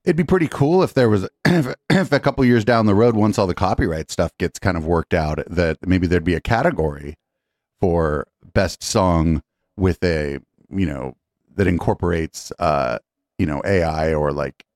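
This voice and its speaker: A man's voice: low-pitched, normal speed, a little mellow, dry recording. A man presenting news stories on a podcast panel, casual and joking, with lots of fillers and restarts. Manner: rambling, joking, many fillers. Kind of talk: casual tech news chat.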